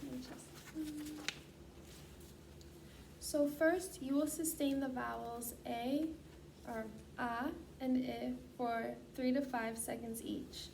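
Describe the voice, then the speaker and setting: High-voiced woman, distant noisy recording. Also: fairly even intonation, slow, a little mellow. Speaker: student clinician giving a voice assessment. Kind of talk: scripted clinical instructions. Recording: distant mic, clearly noisy.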